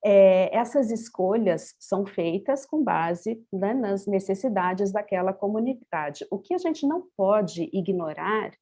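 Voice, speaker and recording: Brazilian woman panelist, warm mellow tone, hesitant reflective delivery. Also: medium pitch, lively intonation, measured pace, hardly any pauses. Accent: Brazilian Portuguese. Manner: thoughtful, many hesitations and restarts. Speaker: panel speaker on bilingual education. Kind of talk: panel discussion answer.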